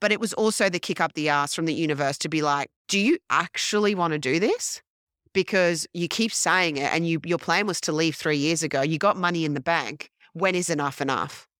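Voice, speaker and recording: In an Australian accent, a woman speaks at a fairly quick pace with a fairly low pitch and an animated, energetic tone. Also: ordinary pitch variation. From Tahiti, then Australia. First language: French. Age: 30s. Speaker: wealth consultant and entrepreneur. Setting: face-to-face in an echoey hotel room.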